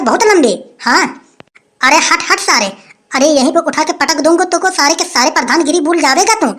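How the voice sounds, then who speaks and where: A man doing a shrill blustering village headman. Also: fairly bright tone. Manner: blustering, threatening, repeats phrases. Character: boastful greedy male village headman, blustering. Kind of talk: comic sketch acting.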